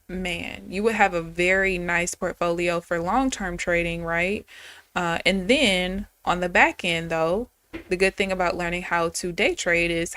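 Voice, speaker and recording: A woman in her thirties talks with a somewhat low voice in a candid, chatty live-stream manner, addressing her viewers directly. The sound is close and dry, with no room around it. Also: a bit bright, no echo. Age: 30s. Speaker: day trader streaming live. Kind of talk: casual live-stream chat.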